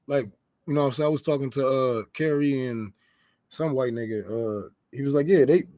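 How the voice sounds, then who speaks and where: Man, casual, slangy, relaxed, dry mic, mid pitch. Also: a little fast, dry recording. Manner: laid-back, slangy talk. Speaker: livestream co-host. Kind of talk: casual livestream chat.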